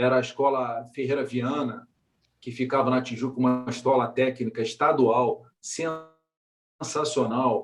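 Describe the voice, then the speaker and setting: A man speaks with fairly even intonation while music plays in the background. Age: 50s. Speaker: guest speaker. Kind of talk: Q&A answer at a club meeting.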